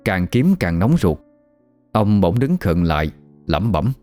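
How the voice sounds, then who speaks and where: A man narrating a ghost story in a measured, evocative way. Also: low-pitched, very animated. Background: soft music.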